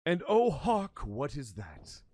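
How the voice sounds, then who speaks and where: A man's voice: fairly high pitch, huge pitch swings, takes it slowly, a little mellow, a little hiss or hum, exaggerated voice. A man playing a menacing, self-pitying wrestling villain, delivering a promo monologue like a hammy, melodramatic stage actor. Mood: mock lament.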